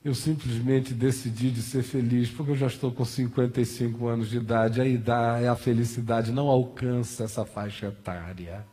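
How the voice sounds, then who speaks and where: A man's voice: medium pitch, steady tone, normal speed, hardly any pauses, warm tone, slightly rough, pitched below the performer's own voice, close to an everyday voice. A man with a Brazilian accent playing a weary, resigned elderly person in a sermon anecdote, speaking in a subdued way.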